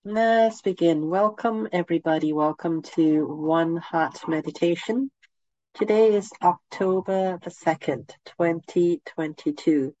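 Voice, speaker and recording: A woman with a head cold and a nasal voice, leading a guided meditation with gentle, soothing instructions. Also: on the low side, measured pace, no room sound, muffled recording.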